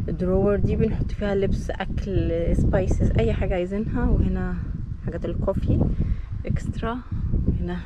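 A woman in her thirties with an Egyptian Arabic accent, chatting casually to a handheld camera as a travel vlogger in and around a van. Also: on the low side. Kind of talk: casual vlog narration and chat. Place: in and beside a camper van. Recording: noisy handheld outdoor and vehicle audio.

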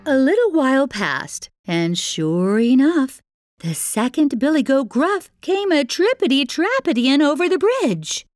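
Animated woman telling a children's story. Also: high voice, unhurried, no echo. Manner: animated and playful.

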